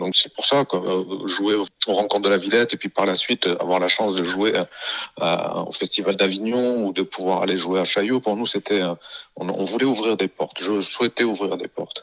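The sound is dry and close, with no echo. A man talks at a moderate pace with a fairly low pitch and fairly even intonation. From France, Bordeaux (Grand Parc). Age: 40s. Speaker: dancer and choreographer. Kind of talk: interview. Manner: hesitant, with many repetitions.

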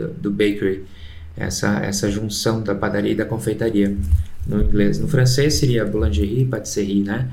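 A man with a fairly low voice talks at a moderate pace over noticeable background noise, with audible room echo. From southern Brazil, Rio Grande do Sul (Nova Bassano). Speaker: chef and baker. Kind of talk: podcast interview.

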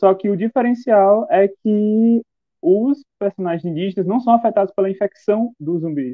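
A man speaks at a moderate pace. His pitch sits high. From Fortaleza, Brazil. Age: 20s. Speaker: writer and film student. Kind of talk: casual chat.

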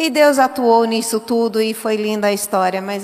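Noticeable background noise can be heard. Over it, a woman talks at a fairly high pitch. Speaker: missionary. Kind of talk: testimony. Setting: church.

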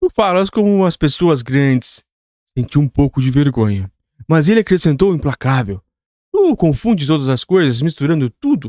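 The tone is dark and mellow, with lively intonation and very even loudness at a moderate pace. The sound is dry and close, with no echo. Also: man, fairly high pitch for a man. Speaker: audiobook narrator and radio host. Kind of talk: audiobook narration, reading a literary fable aloud. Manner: steady storyteller's pace, shifting tone to voice characters' dialogue.

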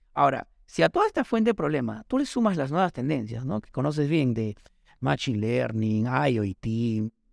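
In a very clean recording with a silent background and a dry, close sound with no echo, a man speaks at a moderate pace in a medium pitch with very wide pitch swings. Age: 30s. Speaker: mining engineer and startup co-founder. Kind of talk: interview. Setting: studio.

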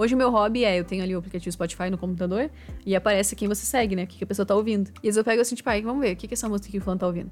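A woman talks at a medium pitch with fairly even intonation. Music plays behind her. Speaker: podcast host. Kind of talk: casual chat. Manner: fast, talkative.

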